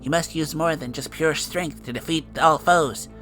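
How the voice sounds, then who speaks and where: A man voicing a small, wise creature in a comic story, teaching softly and serenely in measured phrases. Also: a little high, faint music behind, voice pushed up, natural voice.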